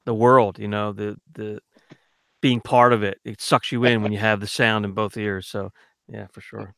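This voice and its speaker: A man's voice: lowish voice, flat delivery, normal speed, creaky, a bit bright, dry recording, studio quality. A man in a casual podcast chat, easygoing and chatty, talking about his audio work. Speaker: voice actor guest.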